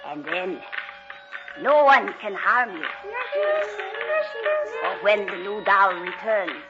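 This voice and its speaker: An actress playing a sinister old woman who makes evil dolls, speaking slowly and menacingly in an old radio drama. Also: mid-range voice. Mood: crooning. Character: sinister old woman doll-maker witch. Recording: dull old radio broadcast with music.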